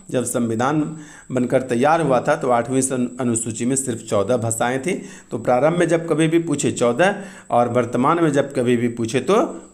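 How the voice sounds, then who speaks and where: Casual male teacher with a Bihari Hindi accent, mid-pitched, briskly reviewing exam questions. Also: a little mellow. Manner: explains quickly and casually, often adds asides. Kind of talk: exam answer walkthrough.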